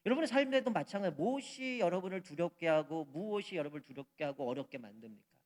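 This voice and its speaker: A man preaching a sermon to his congregation. His voice sits a little high, and he leans hard on key words. He keeps putting questions to the listeners. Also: expressive, fast talker, a little mellow. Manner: emphatic, asks the congregation questions. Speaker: pastor.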